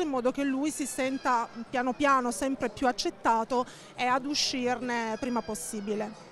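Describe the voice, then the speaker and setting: A woman in her forties speaks in a high voice, hesitant and full of fillers as she searches for words. She is interviewed at an exhibition stand through a handheld microphone. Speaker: association representative. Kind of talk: interview at a book fair stand. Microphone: handheld interviewer mic.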